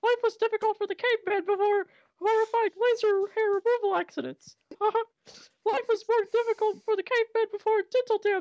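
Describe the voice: An extremely high, put-on character voice. It moves at a moderate pace.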